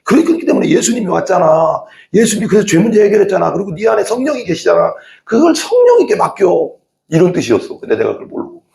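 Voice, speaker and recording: A male pastor preaching an animated sermon in a church, acting out quoted prayers and voices. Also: high-pitched, fast, vocal fry, reverberant. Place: church sanctuary.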